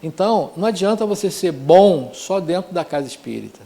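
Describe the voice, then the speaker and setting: A course teacher from Rio de Janeiro, Brazil, gives an informal spiritual lecture in a lively, high, creaky voice at a brisk pace. His style is conversational, full of "né?" tags and restarts.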